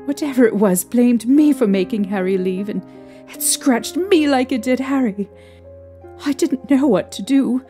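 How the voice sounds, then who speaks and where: A young woman playing a distraught, haunted mother recounting her ordeal emotionally and haltingly in an audio drama. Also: fairly high pitch, mellow, natural voice. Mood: hushed, distressed.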